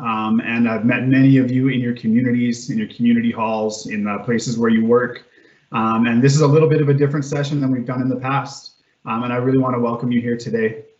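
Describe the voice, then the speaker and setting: The room echo is audible. A man speaks very fast. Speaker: public engagement moderator. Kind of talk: moderator welcome address. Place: home room. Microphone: webcam.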